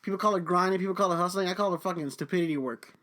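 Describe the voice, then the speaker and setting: A young man's high-pitched voice races along, pushed and bright, as he hosts a podcast and rants about his job. He vents furiously, swearing heavily in a profane monologue.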